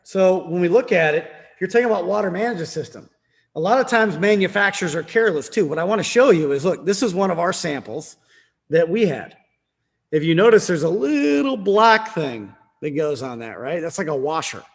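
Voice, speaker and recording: A man's voice: high-pitched, expressive, a little fast, creaky. A man leading a sales training session, quizzing his listeners and tagging points with "right?". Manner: quizzing the room with frequent "right?".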